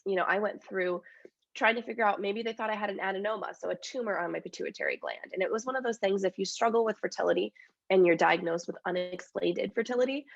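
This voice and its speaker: A woman's voice: mid-range voice, creaky, no echo, lo-fi sound. A woman in her thirties with a cold and a congested voice, chatting openly as an interview guest about her work and life. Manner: open, chatty, many fillers. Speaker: dietitian and author, interview guest. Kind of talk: casual interview chat.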